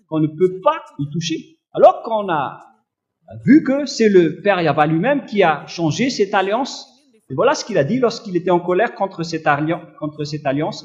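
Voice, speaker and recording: A man preaching a fervent sermon in a loud, forceful, admonishing manner, reading and explaining scripture. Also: high-pitched, muffled recording. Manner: accusatory, admonishing.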